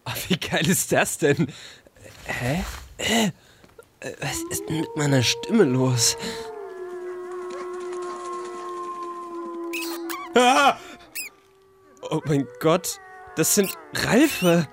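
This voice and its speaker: A man's voice: on the high side, big pitch swings, slow, long pauses, fairly bright tone, faint music behind, heavily acted. A man voicing a bookish teenage girl who has ended up with a man's voice, stammering and flustered, in a comic audio play. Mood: amazed.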